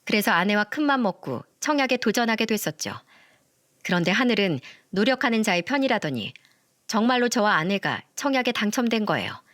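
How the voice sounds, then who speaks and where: A woman narrating a reader's story in the first person, steady, now and then asking the listeners direct questions. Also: mid-range voice, no room sound, studio quality.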